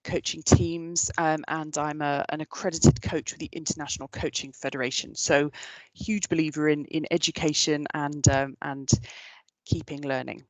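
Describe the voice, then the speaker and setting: A woman in her thirties from the UK giving a keynote about her career, earnest and measured, with frequent ums and restarts. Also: low voice, steady tone, no room sound, rough recording. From United Kingdom. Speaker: keynote speaker. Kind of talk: prepared talk about career, many fillers and restarts.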